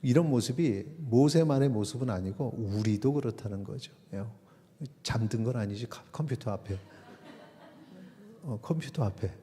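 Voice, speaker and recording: A middle-aged male pastor delivering a sermon in a mid-range voice, swinging from quiet asides to sudden loud, emphatic rises. He acts out the hesitant words of believers. The voice carries the long reverb of a church sanctuary. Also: mid-range voice, expressive, moderate pace.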